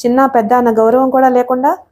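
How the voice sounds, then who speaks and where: A woman's voice: high-pitched, flat delivery, fast talker, darkish tone, natural voice. A woman reading the part of an indignant older mother-in-law who scolds her daughter-in-law.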